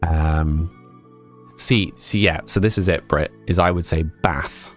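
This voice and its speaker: Young english man, very low voice, relaxed rambling stream chat, soft music behind. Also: a little slow. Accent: English, mixed northern and southern. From England, with family in Scotland. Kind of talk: casual chat with stream viewers.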